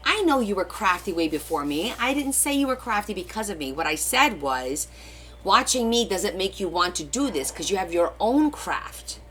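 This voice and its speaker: A woman's voice: mid-range voice, sing-song, moderate pace, a bit bright, slight background noise. A middle-aged woman whose first language is Portuguese, chatting casually and rambling as she hosts a live crafting stream and answers viewer comments. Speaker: crafting livestream host.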